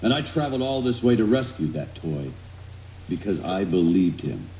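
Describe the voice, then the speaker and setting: A man playing a dutiful, heroic space ranger toy in an animated film, speaking with an American accent in a commanding, earnest way. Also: sits low, normal speed, roomy sound, slight background noise, rough recording. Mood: grave, disappointed.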